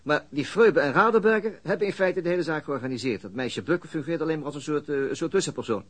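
A man's voice: a little high, animated, fast, husky. A man acting a weary, middle-aged police detective in a radio drama, explaining things methodically with small hesitations. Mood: matter-of-fact.

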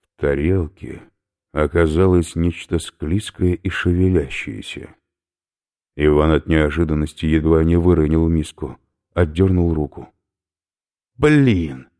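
A man narrating an audiobook in a measured, expressive reading. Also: rumbling low.

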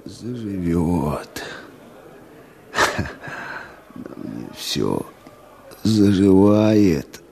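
An actor playing a wounded, stoic, good-natured village man in a radio play, with a folksy, laconic, halting manner. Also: low-pitched, very animated, creaky, a little mellow, exaggerated voice. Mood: stoic, strained.

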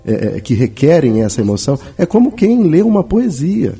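A man's voice: a little high, sing-song, normal speed, creaky, mellow, slightly rough, far from the mic. A man commenting on a radio discussion, explaining in a conversational way with frequent tag questions. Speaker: guest commentator.

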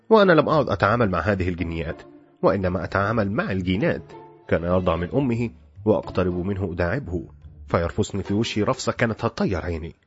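A man with an Egyptian accent narrating a satirical story with wry, animated comic delivery. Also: deep voice. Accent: Egyptian Arabic. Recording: dull lo-fi with faint music.

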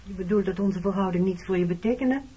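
A woman's voice: medium pitch, fast talker, dark tone, breathy edge, close to an everyday voice. An actress playing a wounded, reproachful married woman in a Dutch radio play, speaking frankly about her past. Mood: pressing, reproachful. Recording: dull, muffled old radio recording.

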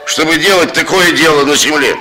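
A man's voice: a little high, a little fast, sharp tone, faint music behind, low-quality recording. An actor playing a blunt, folksy working man who lectures about honest labour in 1960s radio drama style. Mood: preachy.

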